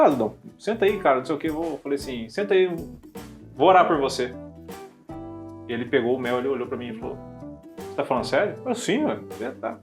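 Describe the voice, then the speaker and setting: A Brazilian man hosting a podcast, telling a story in a quick, chatty way. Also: a little high. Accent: Brazilian Portuguese. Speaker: podcast host. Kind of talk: casual podcast chat.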